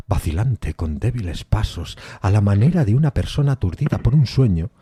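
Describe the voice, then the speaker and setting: Man voicing a deep, dark-voiced haunted gothic narrator. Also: husky, no room sound. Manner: theatrical, halting, emphatic repetitions. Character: haunted, horror-struck widower recounting his wife's resurrection. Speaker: podcast narrator reading a horror story. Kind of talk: dramatic gothic horror audiobook narration.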